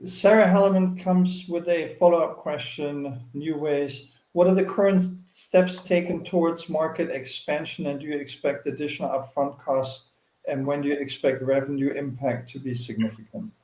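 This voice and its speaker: A man's voice: a little high, fairly even intonation, normal speed, a little mellow. A man acting as moderator on an earnings call, relaying questions from investors. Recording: echoey conference call.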